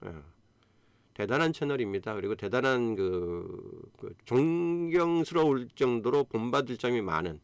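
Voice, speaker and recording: A man's voice: medium pitch, creaky, a little mellow, no room sound. A man in his fifties hosting a live stream, talking earnestly and encouragingly with many fillers. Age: 50s. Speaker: YouTube host. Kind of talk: casual live-stream talk.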